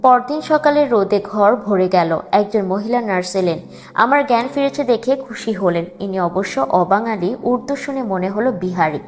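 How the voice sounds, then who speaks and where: A woman narrating a first-person wartime memoir in a grave, measured way. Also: mid-range voice, animated. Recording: long reverb with soft music beneath.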